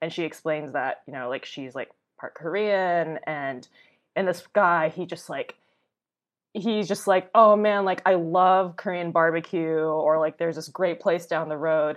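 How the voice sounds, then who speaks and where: With an American accent, a woman talks at a fairly slow pace in a fairly low pitch, with ordinary pitch variation and an unremarkable speaking voice. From US Northeast, Boston. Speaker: travel blogger. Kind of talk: casual interview.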